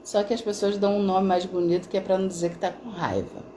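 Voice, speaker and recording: A middle-aged woman therapist speaks in a mellow, warm-toned voice at a middle pitch. She talks casually to viewers of a live stream, telling stories and checking in with frequent tag questions. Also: fairly even intonation, fast, slight background noise. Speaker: integrative therapist.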